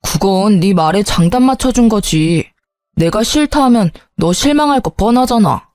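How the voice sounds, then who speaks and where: A woman's voice: medium pitch, expressive, moderate pace, a little mellow, no room sound, studio quality, close to an everyday voice. A woman voicing an irritable young husband who brushes things off and scolds. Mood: dismissive. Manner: curt and scolding, then sheepish.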